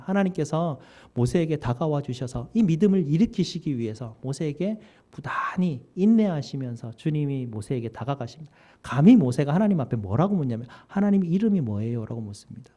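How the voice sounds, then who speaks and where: High, lively-voiced male preacher. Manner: emphatic, lively rhetorical questions. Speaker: pastor. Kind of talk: sermon.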